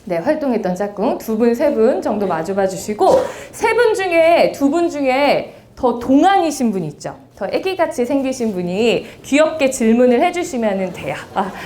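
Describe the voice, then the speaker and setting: A woman's voice: fairly high pitch, moderate pace, hardly any pauses, slight background noise. A woman speech lecturer giving an interactive seminar lecture in a university lecture room, talking straight to her audience. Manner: lively, addresses the audience directly.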